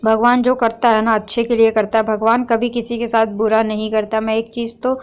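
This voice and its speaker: Feeling sick and weak, with a sore neck, a young woman from a village cooks in her home kitchen and talks to her viewers, then turns to lash out at online trolls. Her fairly high voice stays level and smooth, a little fast, and the audio sounds dull.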